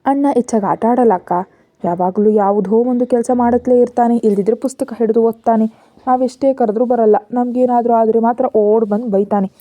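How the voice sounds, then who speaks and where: An eager, chatty ten-year-old boy from a storybook tells on his older friend, as a woman reader puts him on. The voice stays dark and mellow, with a dry, close sound. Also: fairly high pitch, fairly even intonation, brisk, no echo, close to an everyday voice. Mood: complaining. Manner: eager, tattling.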